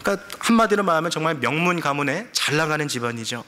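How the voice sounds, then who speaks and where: A male pastor preaching a lively sermon, acting out quotes and asking the congregation questions. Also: on the high side, fast talker. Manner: animated, acts out quotes, asks the congregation questions. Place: church sanctuary. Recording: reverberant church sanctuary.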